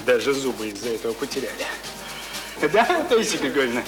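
Brief: actor as sarcastic, prickly man, high lively voice, radio drama over loud music. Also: fast, lightly acted. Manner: sarcastic, needling. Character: prickly, mocking male restaurant guest. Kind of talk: Soviet radio play acting. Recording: echoey room, loud music behind.

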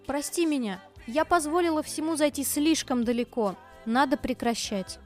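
A woman voicing a guarded, earnest young woman gamer in a dramatized audiobook, speaking in a measured, firm way. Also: high-pitched, soft background music, lightly acted. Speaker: voice actor in an audiobook.

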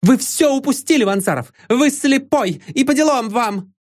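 Overexcited young society lady in an audiobook, shrill, breathless, highly animated, put on by a male narrator. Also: unhurried, full character voice. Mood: furious. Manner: high, breathless, rising exclamations. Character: agitated young woman, nervous and excitable.

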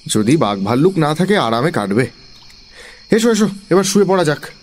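A man doing a lively easygoing young traveller. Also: a little high, pitched above the performer's own voice. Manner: brisk, easygoing, reassuring. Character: cheerful practical young male traveller. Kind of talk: audiobook character voice.

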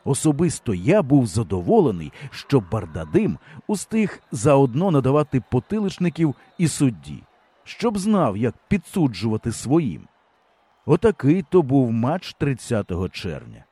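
A man narrating a humorous story in an audiobook, telling it in a lively way. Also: medium pitch, a little slow, breathy edge, no room sound. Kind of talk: scripted narration.

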